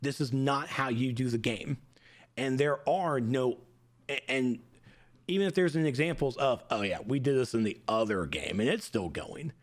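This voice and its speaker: A man's voice: medium pitch, lively intonation, normal speed. A man in his forties, a gaming streamer, giving a heated, emphatic opinion rant straight to his viewers. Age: 40s.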